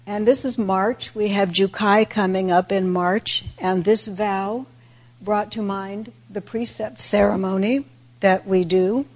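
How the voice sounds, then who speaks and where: A woman with a raspy voice, a little worn today, giving a reflective Buddhist dharma talk in measured, deliberate phrases. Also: mid-range voice, a little mellow. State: raspy voice today with throat clearing. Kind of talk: sermon, reflective religious talk.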